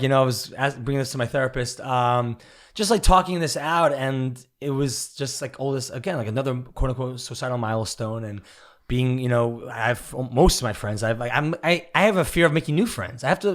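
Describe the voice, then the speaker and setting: A man's voice: mid-range voice, a little fast. A man in his thirties hosting a casual interview, rambling through his questions with many restarts. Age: 30s. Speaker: podcast host.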